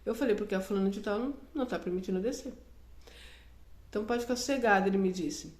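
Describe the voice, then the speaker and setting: A woman's voice: medium pitch, fast talker, darkish tone, reverberant. A woman giving a personal Christian testimony, telling the story earnestly and acting out the dialogue.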